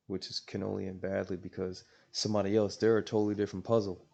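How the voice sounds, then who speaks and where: A man's voice: lowish voice, gravelly, dark tone, dull audio. A man hosting a reaction video, commenting in a philosophical, slangy, musing way.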